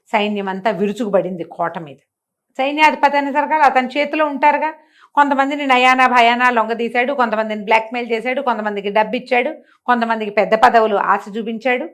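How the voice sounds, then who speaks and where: An older woman telling a traditional story in a chatty, animated way, adding her own comments. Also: a little high. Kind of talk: oral storytelling with asides.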